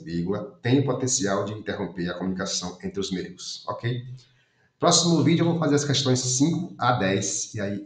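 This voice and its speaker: Methodical man walking through exam answers. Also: lowish voice. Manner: methodical, reads options aloud and rules them out. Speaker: exam prep teacher. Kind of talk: commented exam walkthrough. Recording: roomy echo.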